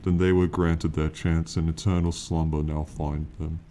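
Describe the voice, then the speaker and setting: An ancient, proud dragon speaks , played by a man, in a very deep, dark voice with little rise or fall. The manner is solemn and condescending, with archaic phrasing suited to a fantasy ASMR roleplay. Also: level tone. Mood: detached, solemn. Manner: slow, solemn, archaic, condescending speech to a mortal. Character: ancient, proud, aloof male dragon companion. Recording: faint rain noise behind. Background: rainfall ambience.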